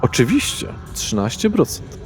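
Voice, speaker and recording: Man playing a brash, animated vampire lawyer. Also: mid-range voice, moderate pace, faint music behind. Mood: jovial, chummy. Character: brash, self-important vampire lawyer in a suit. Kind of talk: improvised tabletop role-play.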